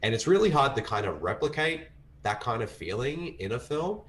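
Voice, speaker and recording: A man's voice: medium pitch, very animated, normal speed, a bit bright, slight background noise. An Australian man chatting casually as a film reviewer, enthusiastic and rambling, with lots of filler words.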